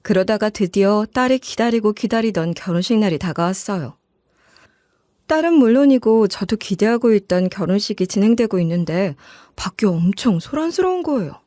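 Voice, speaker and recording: A woman's voice: mid-range voice, lively intonation, moderate pace, dark tone, no echo, studio quality. A woman narrating a scripted first-person family story in the role of a mother.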